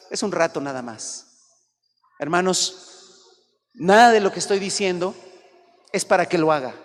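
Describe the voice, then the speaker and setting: A man preaching a sermon as pastor, acting out little dialogues in animated voices that rise to shouts. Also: sits high. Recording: long hall reverb.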